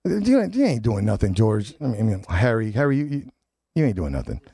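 A man's voice: fairly low pitch, big pitch swings, a little fast, mellow, breathy edge, no echo. A radio host with a head cold, sounding nasal, chatting loosely and joking with his studio guests. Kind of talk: casual community radio chat.

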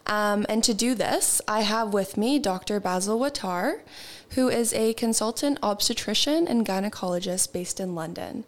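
A young woman hosting a podcast, upbeat and enthusiastic as she introduces her guest. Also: mid-range voice. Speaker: podcast host. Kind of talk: podcast interview. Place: university institute in London.

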